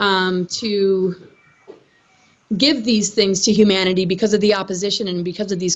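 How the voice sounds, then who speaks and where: Here a woman with an American accent and a plain, everyday voice speaks at a moderate pace and a medium pitch. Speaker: interviewee on extraterrestrials. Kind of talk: interview.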